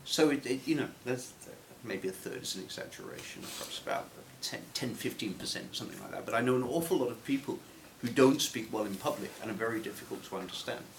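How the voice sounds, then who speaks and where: A man's voice: medium pitch, quick pace, vocal fry, few pauses, slight background noise, rough recording. A man from England, an English trainer, chatting in a group discussion in a chatty, self-mocking way with a lot of repeated starts.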